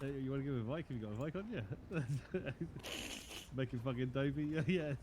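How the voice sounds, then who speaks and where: A man's voice: medium pitch, brisk. A man in a live role-play who talks in a laddish way, swearing and laughing as he goes. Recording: clear background noise.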